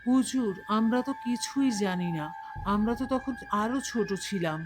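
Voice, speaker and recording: A woman's voice: fairly high pitch, animated, moderate pace, over music, lightly acted. A woman playing an earnest young madrasa schoolboy in a cartoon. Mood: anxious. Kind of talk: scripted cartoon acting.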